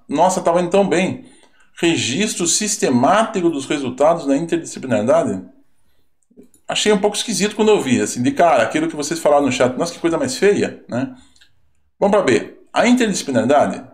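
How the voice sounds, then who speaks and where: A man's voice: on the high side, a little mellow. A man teaching an online lesson that reviews exam answers, talking casually and tagging sentences with little questions, with a Brazilian Portuguese accent. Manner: conversational, asks rhetorical questions, tag words. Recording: roomy echo.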